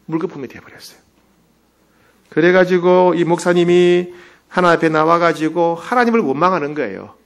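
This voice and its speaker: Animated storytelling male pastor. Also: a little high. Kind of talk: sermon.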